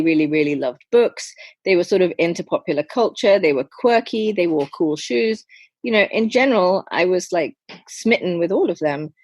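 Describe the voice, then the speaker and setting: A woman in her fifties from England, speaking as an author guest with dry, self-mocking wit. Her voice is a little low and sounds close and dry, without any room echo. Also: a little mellow. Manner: wry, self-deprecating humor. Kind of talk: casual interview chat.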